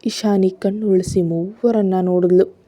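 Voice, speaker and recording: A woman reading a dramatic romance story aloud in a soft, steady narration. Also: medium pitch, measured pace, no echo.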